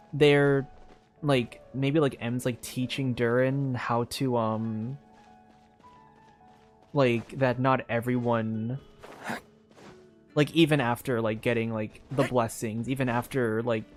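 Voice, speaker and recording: Hesitant, rambling game streamer over music. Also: medium pitch. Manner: hesitant, rambling, filler-heavy musing. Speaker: streamer playing a video game. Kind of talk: casual gameplay commentary, thinking aloud. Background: video game music.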